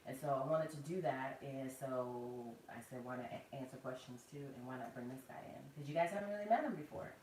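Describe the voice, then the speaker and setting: A woman hosting a casual planner livestream with a soft, soothing voice, chatty and quick to laugh, speaking. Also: very deep voice. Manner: chatty, laughs often, slow and relaxed. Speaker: planner channel host. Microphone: external mic, later removed. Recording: roomy, distant, faint background noise.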